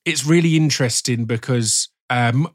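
A man's voice: medium pitch, normal speed, no echo. Essex man hosting, dry close sound. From Essex, England. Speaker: podcast host. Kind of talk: casual podcast interview.

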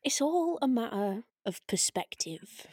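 Woman playing a sardonic, slow-taunting arcane spirit. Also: on the high side, sing-song, darkish tone, slightly rough, dry recording, studio quality, exaggerated voice. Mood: coolly persuasive. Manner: drawn-out, sardonic, needling. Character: taunting disembodied arcane spirit, silky and provoking. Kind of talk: audio drama table read.

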